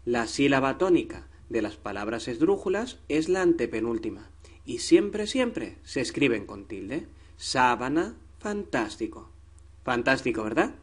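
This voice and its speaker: A man's voice: mid-range voice, very animated, a little slow. A man teaching a grammar lesson to children, patient and coaxing, stretching out syllables.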